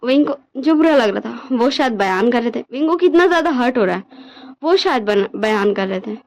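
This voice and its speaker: A woman with a high voice recounts her own story in a relaxed, chatty way. She mixes in English words as she narrates. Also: a little fast, rough recording. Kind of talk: fan-fiction storytelling.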